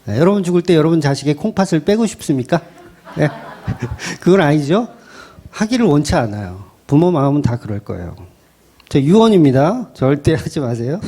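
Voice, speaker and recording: A man's voice: a little high, sing-song, normal speed, dark tone. A middle-aged man, a pastor preaching a sermon in a conversational style, acting out quoted voices.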